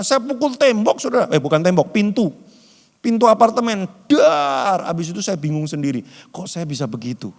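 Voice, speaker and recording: A man's voice: high-pitched, in a large hall. A man preaching a sermon in casual flavored speech, telling stories and acting out the people in them. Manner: lively storytelling, acts out quoted voices, often says "saudara". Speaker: pastor.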